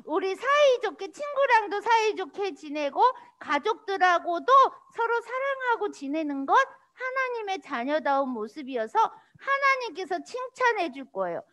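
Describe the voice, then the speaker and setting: Woman, children's pastor, very high voice, animated sing-song delivery, church children's sermon. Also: moderate pace, hardly any pauses. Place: church children's worship room.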